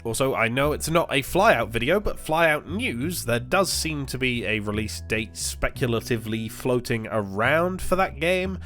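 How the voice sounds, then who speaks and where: A man's voice: mid-range voice, animated, a little slow, few pauses, a bit bright, soft background music. A man hosting his gaming channel, sounding congested as he recovers from illness, talking casually with lots of fillers and restarts. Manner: rambling, many fillers and restarts. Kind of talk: casual gameplay commentary.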